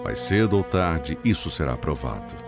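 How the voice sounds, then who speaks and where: A man giving a scripted sermon narration in a solemn, admonishing way with dramatic pauses. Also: rumbling low, very animated. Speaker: preacher narrator. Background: music.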